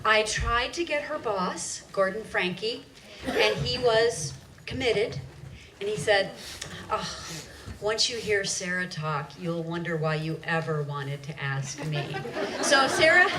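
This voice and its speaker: A woman host giving a chatty, relaxed introduction for the next speaker. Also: medium pitch, slow pace, background noise. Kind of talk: friendly introduction at a talk. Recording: crowd murmur audible behind her.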